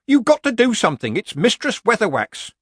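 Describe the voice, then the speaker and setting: A man's voice: high voice, wildly swooping pitch, fairly bright tone, husky, dry recording, studio quality, pitched above the performer's own voice, heavily acted. A man voicing a nervous, complaining male villager who stumbles over his words. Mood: anxious. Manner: anxious, flustered, halting.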